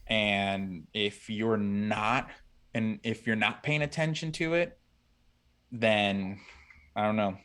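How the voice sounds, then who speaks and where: Low-voiced guy in his thirties, earnest and rambly, lots of restarts, casual podcast chat. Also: takes it slowly, a bit bright. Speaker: podcast guest.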